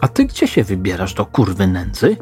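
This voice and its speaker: A man's voice: medium pitch, lively intonation, fast talker, darkish tone, soft background music, natural voice. A man voicing a brutal, cold-hearted killer who talks in a taunting, icy way. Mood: menacing.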